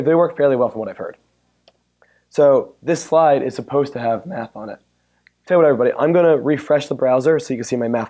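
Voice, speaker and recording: A man with a hoarse, worn-out voice giving a chatty, joking technical talk at a conference and bantering with the audience. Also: medium pitch, dark tone. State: hoarse, losing his voice. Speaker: conference speaker. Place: conference room. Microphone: handheld or stand mic.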